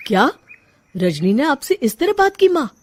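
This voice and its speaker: A young, worried husband from a cartoon storybook, voiced by a woman, who coaxes his wife gently. His voice is fairly high and moves up and down a lot. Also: sing-song, unhurried. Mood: shocked. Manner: pleading, gently insistent.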